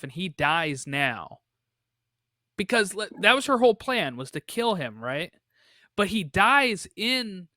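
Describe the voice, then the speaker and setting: A man's voice: high-pitched, pushed and bright, no room sound, studio quality. A man co-hosting a podcast, chatting casually about a movie in a thoughtful, musing way with rhetorical questions. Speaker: podcast co-host. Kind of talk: casual film discussion.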